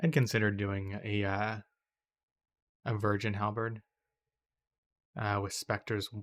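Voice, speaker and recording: A man with a fairly low pitch speaks at a fairly slow pace with fairly even intonation and long, frequent pauses. The recording is very clean, silent in the background, with a dry, close sound and no echo. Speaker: gaming video creator. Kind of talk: gameplay commentary. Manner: monotone; casual, hesitant with fillers.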